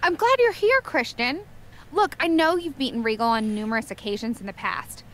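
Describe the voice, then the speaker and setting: Kobieta grająca rzeczową szefową z gry. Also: female voice, on the high side, fairly bright tone, natural voice. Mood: businesslike. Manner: businesslike, brisk. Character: adult woman general manager, brisk. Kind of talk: video game voice acting.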